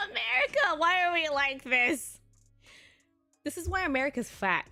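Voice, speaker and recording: A woman's voice: very high-pitched, creaky, pushed and bright. A woman of Filipino heritage chatting casually on a live stream, blunt and profane with frequent laughter.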